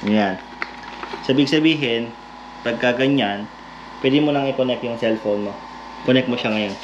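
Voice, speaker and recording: A Filipino vlog host with a medium-pitched voice chats jokingly at a moderate pace while giving away and demonstrating a product hands-on. He's informal and buddy-like, calling the listener "brother." The lo-fi recording is noisy, with vehicle ambience behind him.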